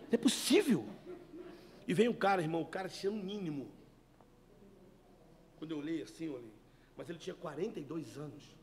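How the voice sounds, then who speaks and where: Man preacher, high voice, animated storyteller, testimony-style sermon. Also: quick pace, pauses often, slight background noise. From Brazil, Rio de Janeiro. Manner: animated, storytelling, addresses listeners as brothers. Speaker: evangelist giving testimony. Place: indoor meeting room.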